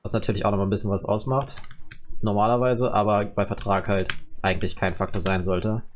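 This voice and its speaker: A man's voice: on the low side, steady tone, brisk, slight background noise. A man hosting his own gaming channel, chatting casually and rambling with many fillers and restarts while he plays a strategy game. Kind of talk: casual gameplay commentary.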